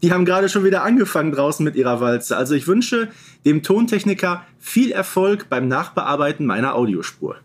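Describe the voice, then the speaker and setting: A man's voice: on the high side, big pitch swings, fairly quick. A man co-hosting a podcast in a casual, conversational style. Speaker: podcast co-host.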